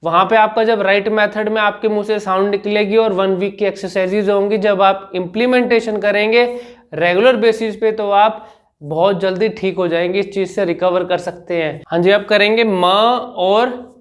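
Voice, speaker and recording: Speech coach, male, higher voice; patient, instructional vlog delivery. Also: steady tone. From India. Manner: demonstrates sounds by repeating syllables slowly.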